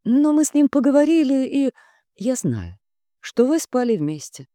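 A woman voicing a gushing, two-faced younger sister who speaks in a high, sugary, effusive way. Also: big pitch swings, unhurried, mellow, no echo, clean studio sound. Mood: tearful.

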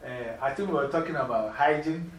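A middle-aged woman with a Ghanaian accent, mentoring young people in an informal classroom talk, lively and preachy, laughing easily. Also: sits low, fairly quick, a little hiss or hum. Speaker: mentor speaking to youth. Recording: echoey room from far off.

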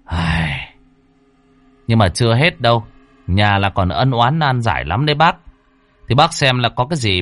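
A stern young exorcist scolds and gives firm orders in a lowish, lively voice, as a man acts him out. The sound is close and dry. It is a storybook figure. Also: no room sound.

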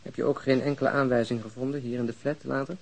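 An actor playing a quiet, protective man in a radio crime drama, with a husky voice and a gentle, restrained manner. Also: mid-range voice, little pitch movement, fast. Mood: probing.

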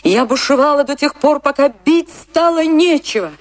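An actress playing an anguished woman recalling her tragic love in a theatrical radio drama, with weighty pauses. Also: high voice, natural voice. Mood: agitated, distraught. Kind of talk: dramatic first-person narration in a radio play.

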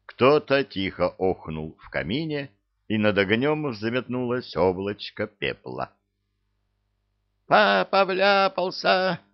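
A man reading a story aloud in an expressive audiobook narration. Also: fairly low pitch, a little slow. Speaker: audiobook reader. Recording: dull lo-fi audio.

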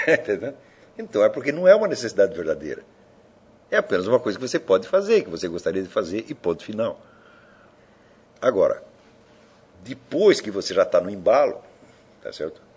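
A man's voice: on the low side, big pitch swings, a little fast, pauses often, a little mellow, slightly rough. A man giving an informal lecture, provoking his listeners with rhetorical questions and casual swearing.

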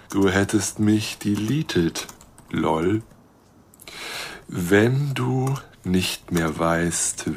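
An actor playing a lonely, awkward middle-aged astronomer in a radio play, halting and muttering as he composes emails. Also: low voice, a little hiss or hum, heavily acted. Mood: needy, wry. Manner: halting, self-correcting, muttering, trailing off.

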